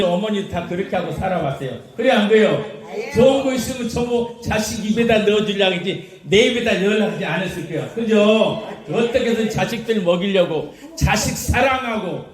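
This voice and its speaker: A man delivers an animated sermon in a high voice, laughing as he tells his stories and putting questions to his listeners. His voice rings through an echoey church hall. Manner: animated storytelling with laughter, asks the congregation questions. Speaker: pastor. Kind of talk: lively sermon.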